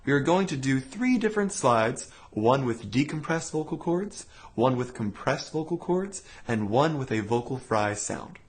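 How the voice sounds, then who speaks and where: A man teaching a voice lesson, calmly explaining vocal exercises step by step. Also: medium pitch, moderate pace, hardly any pauses. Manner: calm, clear step-by-step explaining with sung demonstration sounds. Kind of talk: instructional voice lesson.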